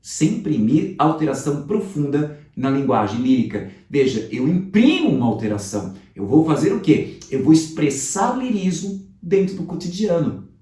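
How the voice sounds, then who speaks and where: A man teaching literature, reviewing exam questions in a lively, conversational way and talking straight to his students. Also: a little high, normal speed. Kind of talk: commented exam review lesson. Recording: roomy sound, voice off-mic.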